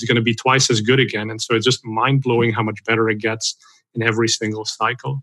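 Delivered at a fairly quick pace, the voice has a bright, sharp tone and a Dutch accent. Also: man. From Belgium. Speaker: marketing software founder, former Google employee. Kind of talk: interview.

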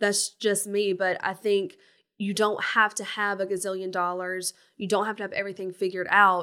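With a bright, sharp tone and an American accent, a woman of medium pitch speaks at a moderate pace in a monotone, flat intonation, recorded very cleanly over a silent background. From US South, South Georgia. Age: 30s. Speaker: fitness studio owner. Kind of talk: interview conversation.

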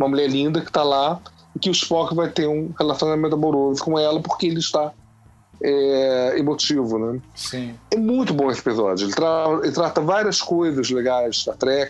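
This man has an ordinary speaking voice pitched fairly high. He talks at a moderate pace with ordinary pitch variation. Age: 40s. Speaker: filmmaker. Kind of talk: casual chat.

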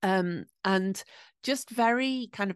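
Recorded dry and close with no echo over a quiet background, a woman speaks at a medium pitch with ordinary pitch variation. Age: 50s. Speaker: podcast host and coach. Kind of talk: solo reflective monologue. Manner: chatty, reflective.

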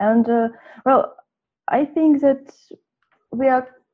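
With a Russian accent, a woman speaks very slowly in a high voice with ordinary pitch variation. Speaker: LGBTQ rights activist. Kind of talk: panel interview.

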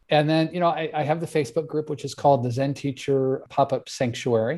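A man with an American accent talks very fast in a dark, mellow tone at medium pitch, his intonation fairly even, against a quiet background. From California, San Diego. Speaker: teacher and author. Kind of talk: interview.

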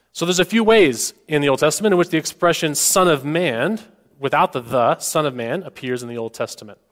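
A man's fairly high-pitched voice with a Southern US accent, lively intonation and a moderate pace. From Arkansas, US South. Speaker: pastor. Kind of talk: sermon. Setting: church.

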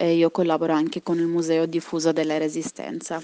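This woman's voice sits at a fairly low pitch. Her tone is dark and mellow. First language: not Italian (speaking Italian). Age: young. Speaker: human rights activist. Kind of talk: radio interview monologue.

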